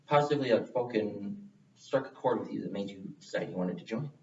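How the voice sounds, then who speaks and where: A man's voice: fairly low pitch, fairly quick, darkish tone, slight background noise. A man hosting interviews with club members, friendly and wordy, encouraging as he talks. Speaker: interviewer and club area director. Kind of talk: casual interview. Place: club meeting room. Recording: roomy, distant, dull sound.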